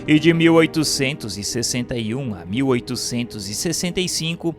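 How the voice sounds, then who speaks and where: A man reading scripted narration in a formal, solemn, measured manner. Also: mid-range voice, expressive. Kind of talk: scripted audiobook-style narration of a spiritual history text. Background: instrumental music.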